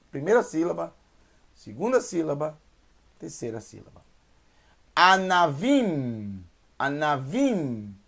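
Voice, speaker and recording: Brazilian guy teaching hebrew basics, really slow, repeats every word over and over. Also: a little high, vocal fry, breathy edge. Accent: Brazilian Portuguese. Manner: sounds out syllables slowly and repeats words. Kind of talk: slow beginner language lesson.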